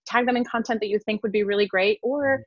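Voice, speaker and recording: A woman's voice: a little high, fast talker, no room sound. A woman from Switzerland, a sales consultant guest on a podcast, talking with energy and emphasis and laughing often. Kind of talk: enthusiastic podcast interview talk. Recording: dull lo-fi dry sound.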